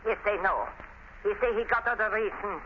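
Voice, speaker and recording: An actress playing a frightened foreign widow and stage knife thrower in 1930s radio style, with accented, halting, dramatic broken English. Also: female voice, mid-range voice, expressive, lightly acted. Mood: intense, bitter. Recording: noisy, dull 1930s radio recording.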